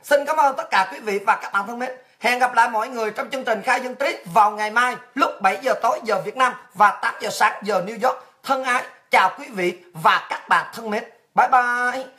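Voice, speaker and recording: A Vietnamese woman hosting a livestream show launches into an abusive, mocking rant full of rhetorical questions. Her voice is a little high, pushed and bright, and she talks a little fast with hardly any pauses.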